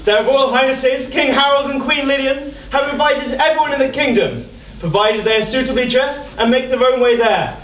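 A man's voice: extremely high pitch, moderate pace, a bit bright. A man playing a formal royal messenger, declaiming a proclamation on an amateur pantomime stage. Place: theatre stage before an audience. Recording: echoey hall, far from mic.

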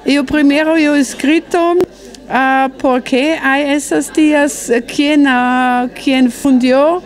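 Woman, 60s, German accent, German native speaker, slow, halting, restarts often, handheld mic. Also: sits high, fairly even intonation. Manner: halting, searching for words, frequent restarts. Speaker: author. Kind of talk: interview at a book presentation. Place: busy restaurant dining room, indoors. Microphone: handheld interview mic.

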